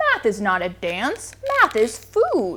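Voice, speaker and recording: A woman puts on a squeaky character voice with a fairly high pitch, speaking at a fairly slow pace. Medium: read story.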